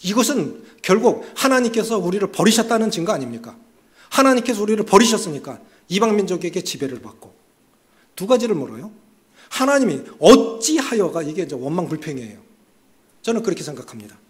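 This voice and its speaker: Male pastor, church sermon, higher-set voice with a very lively melodic range, shifts between emphatic and soft. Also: quick pace. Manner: lively delivery, dropping to soft asides and rising for emphasis. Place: church sanctuary.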